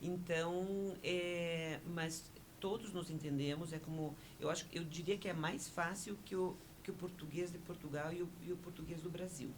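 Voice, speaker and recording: Radio guest, woman, native Spanish speaker, measured explainer, noticeable hiss on the line. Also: lowish voice, fairly even intonation. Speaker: interview guest, honorary consul. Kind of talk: radio interview conversation.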